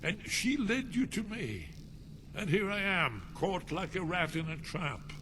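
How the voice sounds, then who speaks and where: Jittery old doomsaying scholar, swooping pitch. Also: male voice, very animated, unhurried, background noise. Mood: alarmed, evasive. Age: older. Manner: agitated, muttering, theatrical. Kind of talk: video game character acting.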